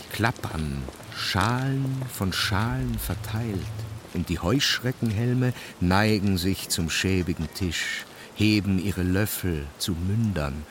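An actor playing a disgusted poet descending through hell, declaiming in short phrases in a radio play. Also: male voice, low-pitched, noisy background. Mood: bleak, subdued. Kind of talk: German radio play, poetic recitation of a modernist epic.

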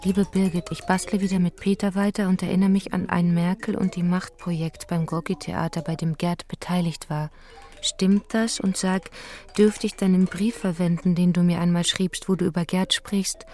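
A woman giving a measured, scripted reading for a radio feature. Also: on the low side, little pitch movement, warm tone. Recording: music under the voice. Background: music.

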